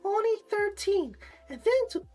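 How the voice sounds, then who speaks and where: A woman putting on a high, nasal, twangy flamboyant voice while reading aloud for practice on a livestream. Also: lively intonation, measured pace. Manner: reads text aloud in a bright exaggerated tone.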